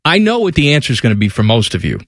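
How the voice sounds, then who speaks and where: A man's voice: mid-range voice, huge pitch swings, racing, no room sound. A man co-hosting a sports radio show in a studio, talking in an opinionated, jokey way. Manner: opinionated, jokey, slips into mocking voices. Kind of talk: casual sports radio chat.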